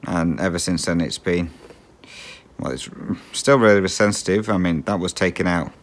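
Deep-voiced Englishman with a slight Aussie twang. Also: moderate pace. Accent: English with a slight Australian twang. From England. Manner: rambling, chuckles often, many ums and restarts. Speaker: cross-stitch vlogger. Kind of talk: casual chat while stitching.

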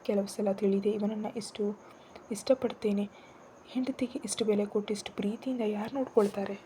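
A woman reading a first-person romance story in a soft, half-whispered, intimate way. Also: medium pitch, fairly even intonation, normal speed, a little hiss or hum.

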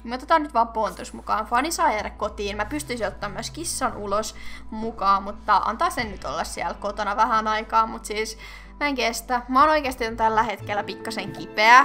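A young woman hosting casual game commentary, chatty and excitable, thinking aloud and squealing at cute animals. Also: a little high. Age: young adult. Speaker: gaming channel host.

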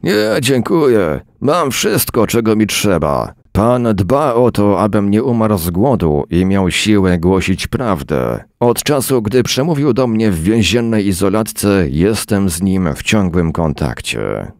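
A man voicing a hoarse, calm street prophet who preaches about the end times, read as part of a story. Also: lowish voice, measured pace, hardly any pauses, no room sound, clean studio sound, voice pushed up. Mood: calm preaching. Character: old friend turned street prophet, male, calm and fervent.

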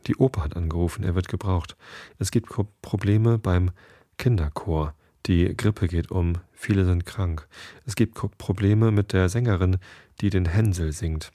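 A man hosting a sleep podcast, reading a bedtime story aloud in a calm way and now and then restarting a sentence after a slip. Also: low-pitched, normal speed, dry recording, clean studio sound. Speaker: podcast host.

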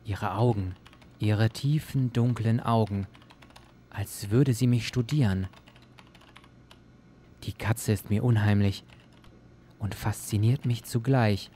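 A man's voice: fairly low pitch, slow pace, pauses often, dark tone, a little hiss or hum. A man playing an anxious, haunted academic doctor in an audio drama. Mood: brooding, uneasy.

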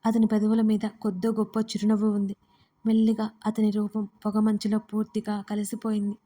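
A woman narrating a romance story in an even, steady reading style. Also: medium pitch, fairly quick.

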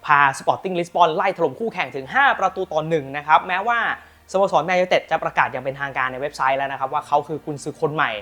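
Lively Thai football news host. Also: male voice, on the high side, fast, hardly any pauses. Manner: lively, emphatic storytelling with frequent polite particles. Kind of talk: energetic football news commentary and product pitch.

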